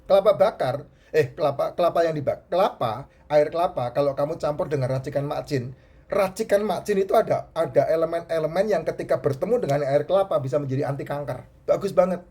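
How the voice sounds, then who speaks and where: A man's voice: a little high, fast, mellow, breathy edge. A middle-aged man with a stuffy, nasal voice, giving health advice in a casual talk, often repeating himself. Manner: chatty, repeats points, restarts words.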